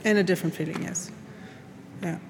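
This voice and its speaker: A woman's voice: fairly low pitch, steady tone, fairly quick, creaky, darkish tone. Hesitant woman. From Chile. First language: Spanish. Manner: hesitant, searching for words, many fillers. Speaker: art student. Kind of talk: interview answers. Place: art academy studio. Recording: noisy recording.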